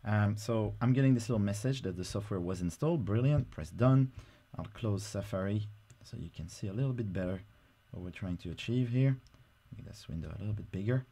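A man talking through a software install on screen in a casual, explanatory way, with frequent fillers. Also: on the low side, expressive, brisk, hardly any pauses, slightly rough. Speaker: software tutorial presenter. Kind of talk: screen-recorded software tutorial.

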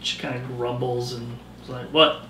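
A man's voice: mid-range voice, steady tone, measured pace, creaky, fairly bright tone, a little hiss or hum. A man narrating a tabletop game as game master, describing scenes loosely with lots of fillers, in a roomy, distant recording.

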